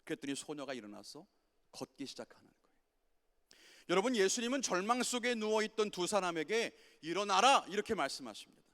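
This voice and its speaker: A man preaches a sermon with passion, his voice sitting a little high for a man. He moves between loud urging commands and soft, low asides. The sound carries the long reverb of a church sanctuary. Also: big pitch swings, brisk. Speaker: pastor.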